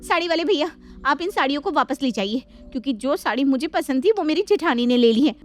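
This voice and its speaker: Brief: woman playing a sulky young daughter-in-law, high and sharp, complaining. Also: very animated, fairly quick, slight background noise. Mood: aggrieved.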